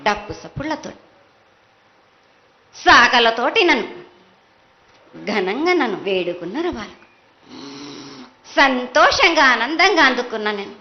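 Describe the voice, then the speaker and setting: A woman's voice: high-pitched, muffled recording. A woman with a Telangana Telugu accent speaking as a mother goddess in a prophetic trance voice, chanting and reproaching her children.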